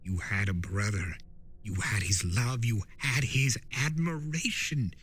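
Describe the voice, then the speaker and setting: A man voicing an impassioned, scolding male spirit of chaos with theatrical, drawn-out emphasis in a dramatic story reading. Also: fairly low pitch, a bit bright, slightly rough. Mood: impassioned, accusing. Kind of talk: dramatic fan-fiction reading.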